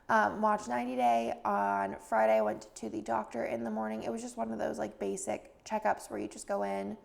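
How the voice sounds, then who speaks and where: A woman's voice: medium pitch, creaky, darkish tone. A young woman chatting casually in a vlog voice-over, rambling with lots of fillers, a bit stuffy and congested. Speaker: planner vlogger.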